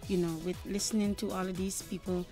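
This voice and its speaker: A woman's voice: medium pitch, little pitch movement, brisk, over music. A young woman from Trinidad and Tobago, a singer answering interview questions confidently, often saying "you know". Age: young adult.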